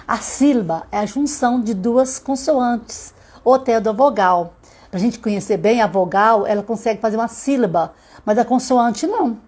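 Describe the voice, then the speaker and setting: A woman with a Brazilian Portuguese accent and a rather high voice teaches a live online literacy lesson. She speaks straight to the mothers watching, in a patient, instructive way, and slows right down to stretch words out into their syllables. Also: a little mellow. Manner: didactic, addresses mothers directly, slows to sound out words.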